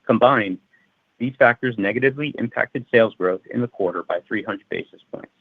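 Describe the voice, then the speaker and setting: A man's voice: mid-range voice, fairly quick, vocal fry, slightly rough, no room sound. A male finance executive reading prepared financial results in a formal, methodical way. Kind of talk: prepared financial results presentation, read aloud. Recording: narrow-band phone conference line.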